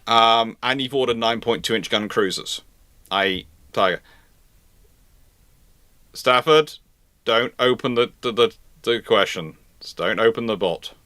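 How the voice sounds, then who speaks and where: A man hosting a live naval history Q&A, reasoning aloud in a halting way and often repeating and reworking his phrases. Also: medium pitch, sharp tone, dry recording. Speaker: host answering viewer questions.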